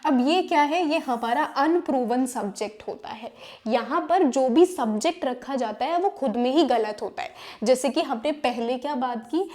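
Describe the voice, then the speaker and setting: A woman's voice: high voice, moderate pace, darkish tone. A young woman teaching an exam-prep lesson, explaining with rhetorical questions and English terms mixed in. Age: young adult.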